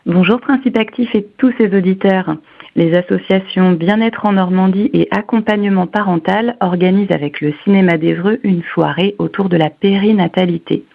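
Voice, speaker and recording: A caller reading out an event announcement in a steady read-out way. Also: mid-range voice, vocal fry. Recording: phone line.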